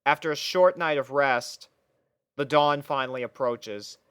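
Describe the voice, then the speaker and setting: A man's voice: mid-range voice, a little slow, fairly bright tone, clean tone, no echo. A man reading scripted first-person story narration as the narrator.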